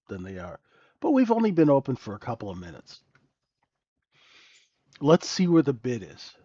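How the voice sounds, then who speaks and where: A man's voice: medium pitch, dark tone, no echo, lo-fi sound. A man hosting a live trading room, talking through the chart with a stuffy, nasal voice and sniffling, keeps asking "right?".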